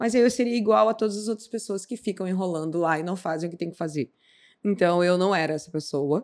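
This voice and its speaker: Over a very clean, silent background, a woman with a fairly low, dark, mellow voice speaks at a moderate pace with lively intonation. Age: 40s. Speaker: voice-over artist and actress. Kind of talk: casual interview chat. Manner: animated.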